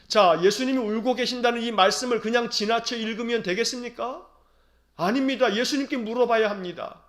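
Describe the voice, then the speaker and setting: Male pastor, high voice, earnest dawn-service preaching with repeated phrases and rhetorical questions. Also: fairly bright tone. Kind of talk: early-morning sermon.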